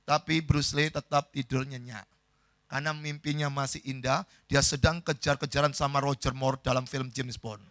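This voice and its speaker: A male pastor, telling a story in a lively sermon and quizzing the congregation. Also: mid-range voice, moderate pace, no echo. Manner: lively, asks the congregation questions.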